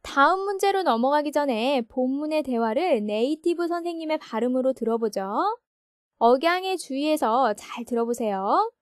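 A woman's voice: high voice, lively intonation, normal speed, no room sound, studio quality. A woman teaching English grammar to Korean learners, explaining each sentence patiently and step by step. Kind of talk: recorded lesson explaining a textbook.

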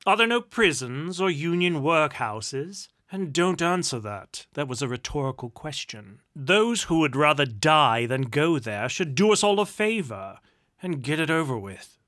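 A man's voice: fairly high pitch, very animated, measured pace, pushed and bright, heavily acted. A man voicing a cold, haughty, bitter duke with a dry, cutting, imperious manner, in a storybook reading. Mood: scornful, imperious.

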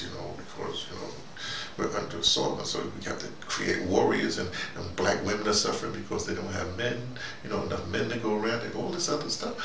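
A man giving a rambling, informal monologue as host, halting and digressive, often falling back on "you know". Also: fairly low pitch, vocal fry. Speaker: host of a spoken dispatch series. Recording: roomy, noisy, distant microphone.

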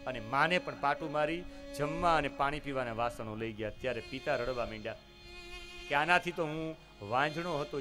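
A man preaching in a devotional storytelling style, telling moral tales with dramatic emphasis. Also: mid-range voice. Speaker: religious storyteller. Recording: violin music behind the voice.

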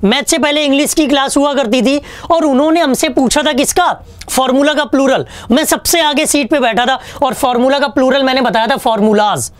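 A man's voice: extremely high pitch, brisk, no room sound. A man teaching an online exam-prep English lesson, chatty and joking, asking questions and answering them himself. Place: online class studio with a whiteboard.

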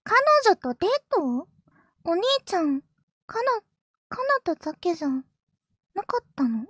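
A woman streamer voicing a clingy, possessive yandere little sister, sweet and doting but turning jealous and menacing, sometimes dropping to a hushed whisper. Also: very high-pitched, sing-song, moderate pace, no room sound, studio quality. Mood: suspicious, jealous. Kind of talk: live-stream character role-play, reacting to chat.

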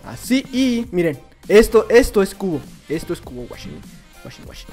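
Young mexican guy commenting his game, pretty high voice, yells and mutters to himself, light music under it. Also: moderate pace. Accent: Mexican Spanish. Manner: excitable, bursts into shouts and laughs, mutters to himself. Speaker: gaming YouTuber. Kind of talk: live Minecraft gameplay commentary.

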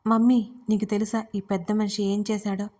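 A woman's voice: mid-range voice, flat delivery, moderate pace, warm tone, natural voice. A woman voicing an angry, resentful grown son who complains sharply about his father in an audio storybook. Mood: irritated.

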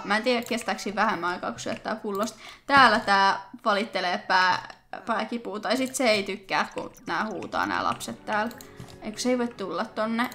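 A young Finnish woman hosts a let's play, talking to her viewers as she plays. Her voice sits a little high and her chatter is quick and excitable. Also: a little hiss or hum. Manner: chatty, excitable, talks to viewers while playing. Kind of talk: casual gameplay commentary.

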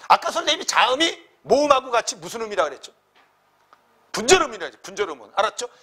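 Middle-aged male tutor, high and very lively pitch, lecture style, constant "got it?" checks, faint background noise. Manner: lively, keeps asking students questions with tag checks; emphatic, swings between loud high stresses and quiet asides. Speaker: Korean grammar tutor. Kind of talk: classroom lecture.

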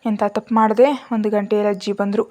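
Female storyteller, first-person romance narration, lively and expressive. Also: medium pitch, a little fast.

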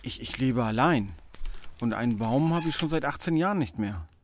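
Male actor as divorced middle-aged dad, halting and wounded, widely varying pitch, radio play. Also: lively intonation, a little hiss or hum, natural voice. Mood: surprised, awkward. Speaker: voice actor in an audio drama. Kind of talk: naturalistic German radio drama acting.

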